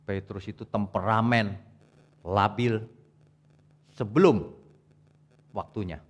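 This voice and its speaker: A male pastor preaching a sermon, emphatic, jumping between loud rebukes and quiet asides as he speaks straight to his congregation. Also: fairly low pitch, steady tone, slow. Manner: colloquial, addresses congregation directly.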